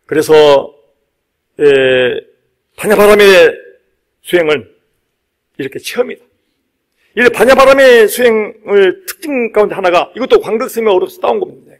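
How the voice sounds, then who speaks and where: Male monk, high-pitched voice, emphatic dharma preaching with repeated phrases and informal asides. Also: lively intonation, moderate pace, pauses often. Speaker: Buddhist monk giving a dharma talk. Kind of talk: sermon.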